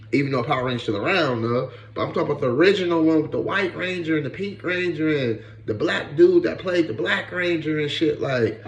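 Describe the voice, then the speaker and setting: Man, late thirties, casual profane commentary, gravelly voice, roomy echo. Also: medium pitch, slight background noise. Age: 30s. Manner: blunt, profane, repeats "bro" and "you know what I'm saying". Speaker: podcast host.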